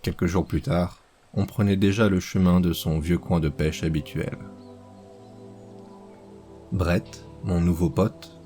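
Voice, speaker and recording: A man reading a horror story aloud as scripted narration, slow and measured. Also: sits low, mellow.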